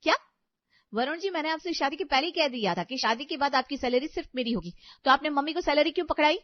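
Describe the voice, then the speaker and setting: A woman's voice: sits high, quick pace, no room sound, lightly acted. A woman voicing a spoiled, haughty young bride in a cartoon story who is rude and sarcastic to her mother-in-law. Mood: demanding. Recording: dry, slightly dull audio.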